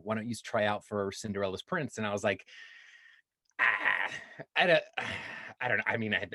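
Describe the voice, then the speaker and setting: Man in his thirties, low voice, dry close sound, rambling interview guest who acts out quoted voices. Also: a bit bright, dry recording. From Hawaii. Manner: rambling, many restarts and fillers. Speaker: guest actor. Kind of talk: casual interview chat.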